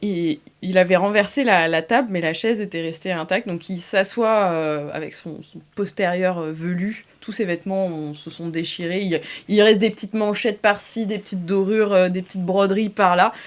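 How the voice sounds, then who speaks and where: A woman narrating as game master of an improvised tabletop game, laughing often and filling pauses with hesitations. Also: fairly low pitch.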